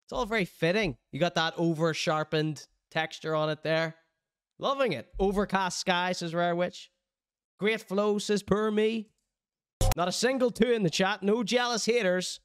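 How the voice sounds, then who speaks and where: A man's voice: high-pitched, moderate pace, a bit bright, smooth. A man, reacting live on stream with playful hype-man banter and mock-serious critique. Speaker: streamer reacting to a music video. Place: indoor streaming room.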